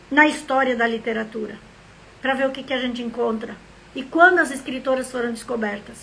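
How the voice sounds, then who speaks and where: A woman from southern Brazil talks casually on a live stream, her voice sitting high in her range. She speaks in a rambling, reflective way and greets viewers by name as their comments come in. There is a faint hum of noise behind her. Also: creaky, fairly bright tone, low-quality recording. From Rio Grande do Sul, Brazil. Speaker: live stream host, member of a literary academy.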